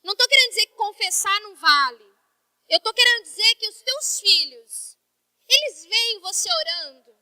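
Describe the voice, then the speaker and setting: A woman pastor from Brazil preaches with a very high, bright, sharp voice. The sound is dry and close, with no room around it. She talks to the congregation in a chatty, heartfelt way. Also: animated, normal speed, no echo. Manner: conversational, emotional preaching with quoted dialogue. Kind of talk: sermon.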